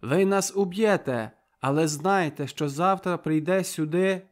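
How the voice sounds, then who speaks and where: A man reading the part of a tall young captured soldier, speaking in a sharp, impassioned voice in an audiobook. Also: a little high, a little slow, lightly acted. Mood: defiant pleading. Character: fiery tall young male soldier prisoner. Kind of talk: audiobook character voice.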